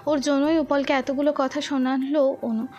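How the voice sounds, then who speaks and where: A woman narrating a romantic audio story with steady, expressive storytelling. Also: high-pitched, normal speed, muffled recording.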